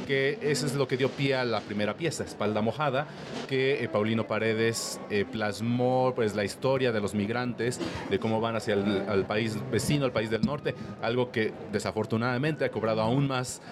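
A man, a conductor answering interview questions thoughtfully, with many hesitations. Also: lowish voice.

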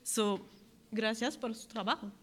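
A woman from France, a native French speaker with a French accent, giving an informal, halting speech as an athlete at a press conference. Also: a little high, steady tone, fairly bright tone. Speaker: ultra-endurance athlete.

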